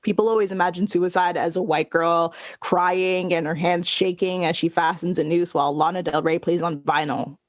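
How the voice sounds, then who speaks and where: Woman playing weary female hospital patient, rather low pitch, deadpan, biting wit, audio drama. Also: normal speed, hardly any pauses, no room sound, clean studio sound, natural voice. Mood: wry, deadpan. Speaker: actor in a recorded play. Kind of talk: dramatic scripted dialogue.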